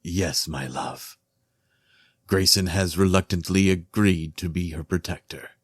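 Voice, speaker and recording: Fantasy king, male actor: deep, unhurried, solemn, weary but sincere. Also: husky, dry recording, clean studio sound. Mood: gentle. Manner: solemn, measured, formal. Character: earnest, weary king, devoted husband and loyal friend. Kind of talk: fantasy audio drama acting.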